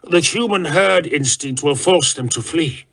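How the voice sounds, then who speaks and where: A man voicing a calm, grave male warrior-librarian who gives a measured warning. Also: on the high side, vocal fry, pitched above the performer's own voice, heavily acted.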